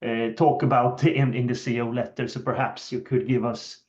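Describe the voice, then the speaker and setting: A man's voice: mid-range voice, level tone, fairly quick, a little mellow. A man asking conversational questions as a financial analyst on an earnings call. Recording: dull, lo-fi call audio.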